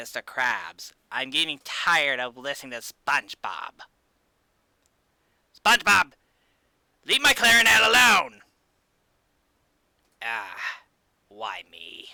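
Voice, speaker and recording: A man puts on a character voice, fairly high in pitch with very wide pitch swings. He talks fairly slowly, with long, frequent pauses. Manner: grumpy, annoyed.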